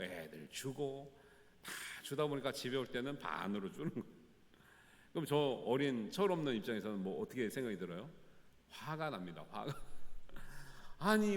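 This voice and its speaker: A male pastor preaching a sermon to his congregation, full of sudden loud rises and soft drops and direct questions to the listeners. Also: mid-range voice. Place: church sanctuary. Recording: long church hall reverb.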